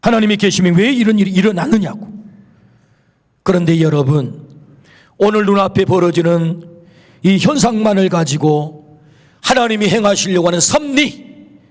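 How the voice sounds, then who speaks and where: A man with a high-pitched voice preaches emphatically in a church sanctuary. He asks the congregation questions and answers them himself, then pronounces blessings over them. His words ring out with the long reverb of the hall. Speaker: pastor. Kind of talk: sermon.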